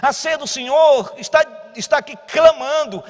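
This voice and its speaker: A Brazilian pastor preaching a sermon, moving between quiet teaching and loud exhortation. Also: male voice, extremely high pitch, moderate pace. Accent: Brazilian Portuguese. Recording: long church hall reverb.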